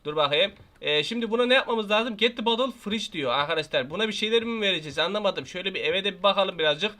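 A young Turkish-accented man gives excitable let's-play commentary in a high, bright voice. He jokes, scolds and playfully threatens what he sees on screen, talking fast and loosely as he plays. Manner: excitable, jokey, talks to the game baby and threatens it playfully. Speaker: gaming YouTuber.

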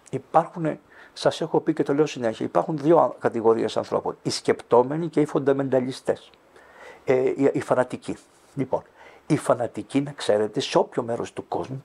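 Older man, priest, gravelly husky voice, earnest preacherly storytelling. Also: medium pitch, a little mellow. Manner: earnest, preacherly, tells stories with quoted dialogue. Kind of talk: interview answer, storytelling.

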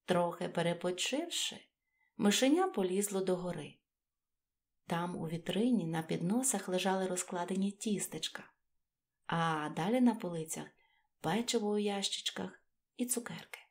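A woman's voice: on the low side, animated, moderate pace. A woman storyteller reading a scripted children's fairy tale expressively, with music behind her.

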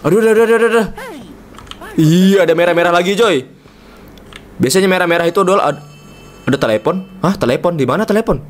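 A man's voice: sits high, fast talker, long pauses, a little hiss or hum. A man from Indonesia, playful and chatty, giving casual live commentary while streaming a game and constantly calling out to viewers. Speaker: gaming streamer.

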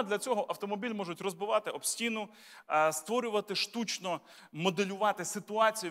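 A bishop preaching a sermon in a church, talking to the congregation in a conversational, lightly humorous way with many rhetorical questions. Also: male voice, sits high, a bit bright. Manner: lightly humorous, tells jokes. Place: church sanctuary. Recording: long church reverb.

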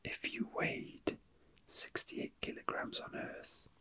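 Slow, bright whispering ASMR voice. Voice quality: breathy unvoiced whisper. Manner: soft, unhurried, murmuring to self. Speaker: toy unboxing video host. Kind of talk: whispered ASMR, casual rambling.

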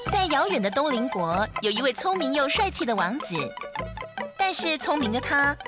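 A woman narrating a children's fairy tale as storyteller, in an expressive manner. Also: sits high, moderate pace, loud music behind the voice. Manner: expressive, clearly told.

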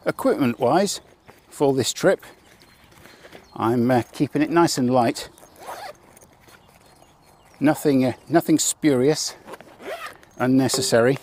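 A man's voice: mid-range voice, slow pace, pauses often, darkish tone, a little hiss or hum. An older man on a lapel radio mic, talking casually and wryly outdoors at a campsite as he shows off his motorcycle kit. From Britain. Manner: chatty, wry, with self-deprecating jokes. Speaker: motorcycle travel vlogger. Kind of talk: casual vlog, mock advert at the start. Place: outdoors at a campsite car park.

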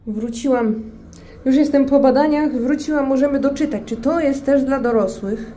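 Chatty high-voiced woman vlogging outdoors. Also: normal speed, mellow. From Poland. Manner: chatty, playful, self-ironic. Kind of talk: casual vlog chat. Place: snowy city streets outdoors, under an umbrella. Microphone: phone held at arm's length. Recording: faint street noise and passing cars.

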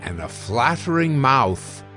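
A man narrating a dramatized audio Bible with measured, emphatic phrasing and deliberate pauses. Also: mid-range voice, very animated, sharp tone. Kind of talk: dramatized scripture reading. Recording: music bed under the voice. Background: music.

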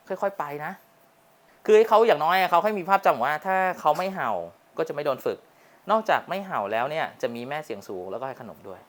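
A man teaching a dog owner at their home, explaining training steps in a quick, coaching way. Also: fairly high pitch. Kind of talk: on-site dog training lesson.

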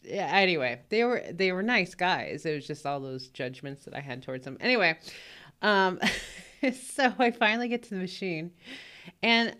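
Low-voiced woman rambling casually. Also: lively intonation, normal speed, fairly bright tone. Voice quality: low voice, morning voice. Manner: rambling, frequent fillers and laughs. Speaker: podcast host. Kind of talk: casual spoken anecdote.

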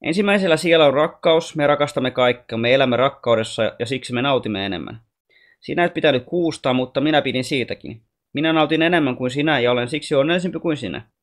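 A man's voice: mid-range voice, lightly acted. Man doing a curious earth kid asking questions, kinda doubtful. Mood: curious, doubting. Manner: questioning, unsure.

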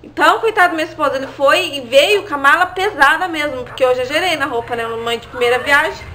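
A woman's voice: sits high, fast, pushed and bright, a little hiss or hum. A young adult woman telling a story in a casual vlog, chatty and often turning to her viewers. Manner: chatty, often asks the audience "né, gente?". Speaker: vlogger.

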